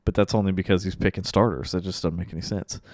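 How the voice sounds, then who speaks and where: A man with a raspy, tired baritone, hosting a casual sports podcast in a rambling, joking way. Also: fairly even intonation, fast, a little mellow. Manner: rambling, joking, restarts sentences. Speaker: podcast host.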